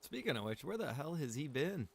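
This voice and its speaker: A man's voice: fairly high pitch, sing-song, brisk. A man giving casual, chatty commentary while he plays a game, thinking aloud in a laid-back way. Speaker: game streamer. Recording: clear background noise.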